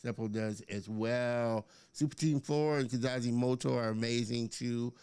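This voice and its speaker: A man's voice: medium pitch, steady tone, moderate pace, a little mellow, clean tone, no room sound. A man hosting a live interview show, upbeat and chatty, with lots of filler words as he reads out viewer comments. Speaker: host.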